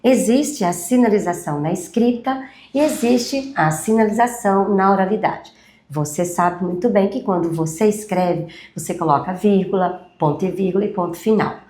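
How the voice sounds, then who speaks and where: A woman instructor explaining a speaking technique in a live online class, steady and explanatory. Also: medium pitch, moderate pace, roomy sound. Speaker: communication instructor.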